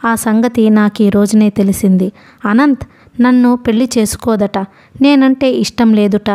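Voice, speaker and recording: A woman voicing a hurt, indignant young man who answers in sharp, clipped retorts, reading from an audiobook novel. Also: fairly high pitch, fairly even intonation, a little slow, natural voice. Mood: bitter.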